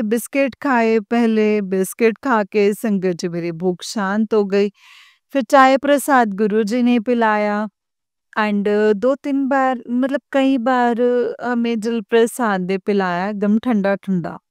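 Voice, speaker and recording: A woman shares a devotional story in an earnest, heartfelt way. Her fairly high voice is smooth and clear, and she speaks slowly. The sound is dry and close. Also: darkish tone, dry recording. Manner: earnest, repeatedly addresses listeners as congregation; emotional, heartfelt. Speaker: devotee sharing an experience. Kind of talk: devotional testimony to listeners.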